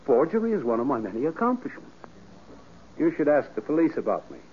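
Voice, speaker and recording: A man playing a smooth, self-assured criminal blackmailer with a suave, mocking theatrical manner in a 1940s radio crime drama. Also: a little high, huge pitch swings, a little fast, exaggerated voice. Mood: boastful. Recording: muffled, tinny old radio recording.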